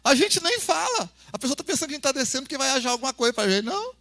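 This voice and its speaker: A man's voice: extremely high pitch, animated, racing, sharp tone. A man with a Brazilian accent preaching a folksy, conversational sermon, calling the congregation brother and acting out family scenes. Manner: folksy, acts out family dialogues. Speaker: pastor.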